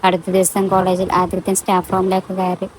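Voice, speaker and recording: A woman narrating a romantic audio story with a calm, measured delivery. Her voice sits low and stays very level throughout. A faint background hiss runs under the reading. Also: low-quality recording.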